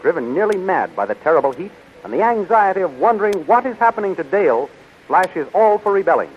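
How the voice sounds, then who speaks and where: A man narrating a 1930s radio adventure serial in an excited, dramatic announcer style, on a muffled old recording. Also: sits high, slight background noise.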